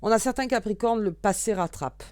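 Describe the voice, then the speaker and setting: A tarot reader with a mid-range, somewhat mellow voice talks a little quickly as she shuffles and draws cards, thinking out loud with fillers and restarts in a casual, chatty reading. The recording is dry.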